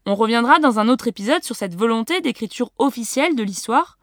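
A woman's voice: on the high side, lively intonation, brisk, no room sound. Woman explaining casually, dry sound. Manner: casual, with fillers. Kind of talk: conversational explanation.

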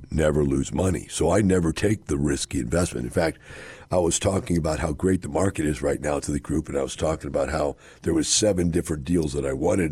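A hoarse, middle-aged man hosts a radio show, his voice extremely low and husky from overuse. He talks casually and rambles, leaning on fillers and restarts. The studio sound is dry and close. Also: dark tone, no echo. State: hoarse, scratchy voice. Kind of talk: casual radio talk on investing.

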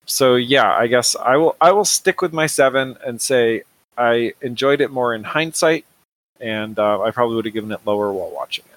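A man's voice: medium pitch, fairly quick, a bit bright, low-quality recording. A man appearing as a podcast guest in casual chat, hesitant and reflective, with fillers like "um" and "uh".

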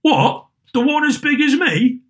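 A man voicing a bright, cheeky young street boy, exclamatory, in a storybook reading. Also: extremely high pitch, sing-song, measured pace, pitched above the performer's own voice, full character voice. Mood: cheeky, astonished.

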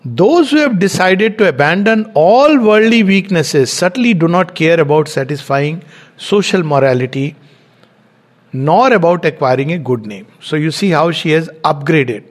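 Man, middle-aged, spiritual lecture, measured explanatory delivery, slightly high voice. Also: expressive. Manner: measured, explanatory, slows down to read quotes. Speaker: spiritual teacher giving a talk. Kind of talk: reflective lecture with read-out quotes and commentary.

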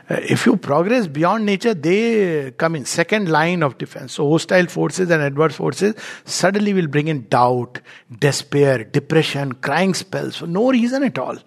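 A man's voice: on the high side, gravelly. A man with a North Indian accent gives a spiritual discourse as a teacher, in an emphatic storytelling manner with acted-out dialogue. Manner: emphatic, storytelling, chuckles at own remarks.

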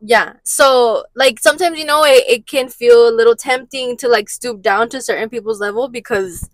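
That chatty girl in her 20s, kinda high voice, mixes in spanish. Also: moderate pace, dry recording. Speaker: podcast co-host. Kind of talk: casual chat.

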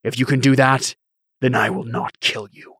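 A man's voice: medium pitch, level tone, normal speed, a bit bright, slightly rough, no echo, studio quality. A man voicing a grim, righteous holy knight who speaks in a stern, menacing, controlled way. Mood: stern demand.

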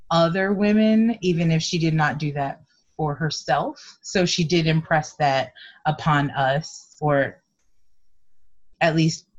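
A middle-aged woman with a notably low voice, reflecting in a hesitant, thoughtful way, pausing often. She comes through a dull, lo-fi remote line. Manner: hesitant, thoughtful, many ums. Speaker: guest, activist. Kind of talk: conversational interview.

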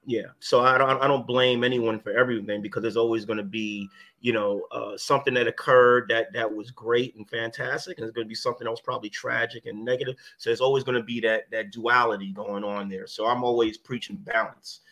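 A man's voice: mid-range voice, level tone, brisk, hardly any pauses, pushed and bright. A man in his fifties, a wellness business owner talking casually and plainly, often asking "you know what I mean". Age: 50s. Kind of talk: casual podcast chat.

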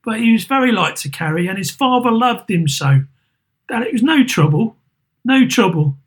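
Tender grieving mother, raised and quiet, husky, narrator puts her on. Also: high-pitched, lively intonation, moderate pace, pitched above the performer's own voice. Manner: soft, tender, brave. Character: gentle grieving working-class mother.

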